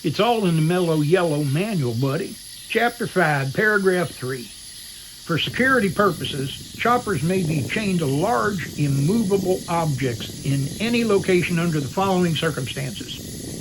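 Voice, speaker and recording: A man's voice: a little high, lively intonation, normal speed, close to an everyday voice. A man playing a straight-faced, by-the-book helicopter pilot in an amateur audio drama, dryly unflappable and matter-of-fact. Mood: dry, official. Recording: hissy, noisy radio-drama track with outdoor ambience.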